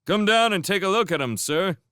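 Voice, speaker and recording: A man's voice: sits high, lively intonation, brisk, pushed and bright, clean tone, dry recording, clean studio sound, pitched above the performer's own voice. A man voicing a sly young otter. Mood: pleading. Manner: innocent pleading, then whispered scheming.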